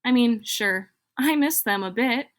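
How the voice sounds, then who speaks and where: A woman's voice: a little high, a little slow. A woman teacher reading a children's picture book aloud, expressively, drawing out key phrases for emphasis. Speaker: elementary school teacher.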